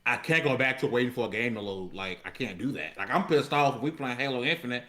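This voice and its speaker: Bright, lively man in podcast chat. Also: mid-range voice, fast talker. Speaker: gaming podcast co-host. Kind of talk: casual gaming podcast chat.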